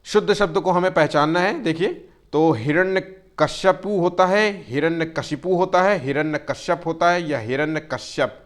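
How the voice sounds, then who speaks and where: Man teaching Hindi grammar, filler-heavy. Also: on the high side. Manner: repetitive filler "jo hai", stretches words out slowly to spell them; tells students to take care and keeps checking "theek hai". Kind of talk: exam-prep Hindi grammar lesson.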